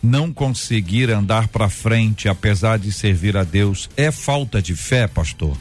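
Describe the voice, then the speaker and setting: A man's voice: fairly low pitch, expressive, a little slow, soft background music. A man hosting a radio talk show, bantering with teasing jokes and reading out listener messages. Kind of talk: relaxed joking studio chat, reading listener messages.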